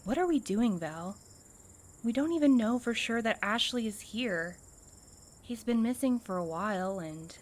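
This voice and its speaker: A woman's voice: a little high, animated, unhurried, a little hiss or hum. A woman acting in an audio drama as a loyal but uneasy companion with a sardonic, questioning manner.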